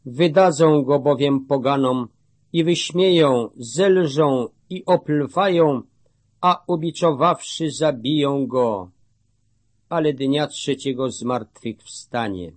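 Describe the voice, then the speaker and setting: Man reading Jesus, calm and solemn. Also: mid-range voice, takes it slowly, no room sound. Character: Jesus, calm authoritative male teacher.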